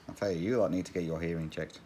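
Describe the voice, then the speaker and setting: A man's voice: sits low, very noisy. A man hosting a cross-stitch channel, chatting casually and rambling while he stitches, often laughing.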